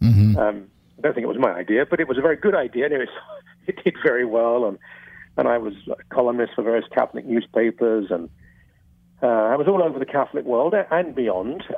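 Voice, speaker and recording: A man with an English accent talks very fast with lively intonation. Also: medium pitch for a man. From England. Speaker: clergyman and author. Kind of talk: interview. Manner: halting, repeated words.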